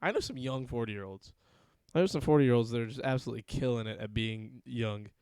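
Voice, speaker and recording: Young male podcast host, stuffy-nosed, smooth clear voice, dry close sound, casual teasing. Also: medium pitch, a little fast, darkish tone, no room sound. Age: 20s. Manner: laughing, teasing. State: congested, coughing. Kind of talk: casual banter.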